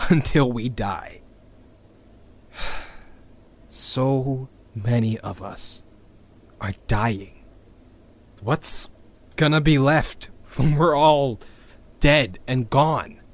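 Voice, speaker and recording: Give the sound of a weary, sardonic activist in a sci-fi audio drama. His voice sits fairly high and swings widely in pitch. He speaks very slowly and haltingly, bitter about a doomed world. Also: no room sound, heavily acted. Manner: sardonic, halting, with sighs and wry laughs. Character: bitter, disillusioned male activist, weary and sweary. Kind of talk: sci-fi audio drama monologue, confessional recording.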